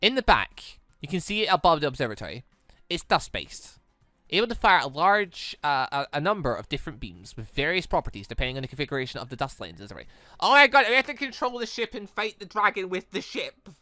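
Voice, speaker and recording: A man hosting a let's play, reading visual novel dialogue aloud in an animated way and reacting excitedly as he goes. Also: on the high side, fast talker, no room sound. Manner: animated, stumbles while reading and exclaims at the story.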